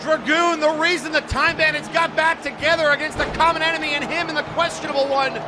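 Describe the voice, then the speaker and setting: A man calls live wrestling in a very high, strained shout, excitedly exclaiming at the action and the referee. A loud crowd and noise surround his voice. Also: fast. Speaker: wrestling play-by-play commentator. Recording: noisy event audio with loud crowd. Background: crowd noise and slamming thuds.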